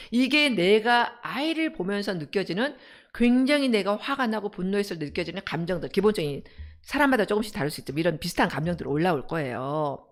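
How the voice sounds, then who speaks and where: Woman, middle-aged, counseling director, lecture, lively pitch, mid-range voice, rhetorical questions. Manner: animated, asks the audience rhetorical questions. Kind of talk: parenting lecture on a live broadcast.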